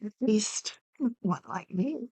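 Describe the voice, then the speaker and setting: A woman's voice: mid-range voice, animated, slow pace, a little mellow, husky, pitched above the performer's own voice, exaggerated voice. A woman voicing a female viper, a sly, cajoling false friend with venomous intent, in a dramatic play reading. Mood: clingy, ingratiating.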